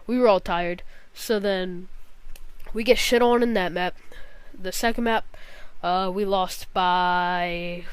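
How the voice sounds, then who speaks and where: A woman's voice: mid-range voice, clear, resonant tone, no echo. A young woman gaming vlogger telling a long story casually, rambling with lots of fillers and swearing bluntly.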